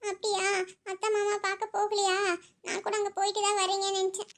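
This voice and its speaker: Woman doing a squeaky young wife, expecting, quick and emotional, cartoon. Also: completely flat delivery. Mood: longing, teasing. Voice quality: very high and quick. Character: young pregnant wife, longing and tearful. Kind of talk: cartoon voice acting.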